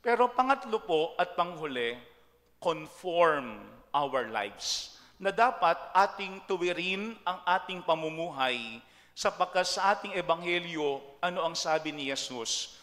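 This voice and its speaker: Filipino priest, middle-aged, fairly high voice, storytelling sermon in a reverberant church. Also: male voice, lively intonation, a bit bright. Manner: storytelling, slows to stress English key phrases. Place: large church.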